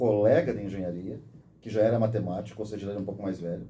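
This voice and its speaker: With a strong gaúcho accent, a man speaks in a fairly low, dark, mellow voice touched with vocal fry, with audible room echo. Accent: marked gaúcho-style southern Brazilian. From southwest Paraná, Brazil, gaúcho family. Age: 40s. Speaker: educator and education entrepreneur. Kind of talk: podcast interview. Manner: animated.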